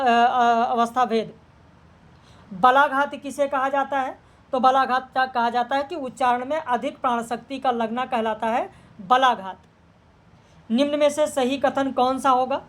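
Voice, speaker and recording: A woman teacher running through exam practice questions, reading each one and checking the answers in a brisk, matter-of-fact way. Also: sits high, steady tone.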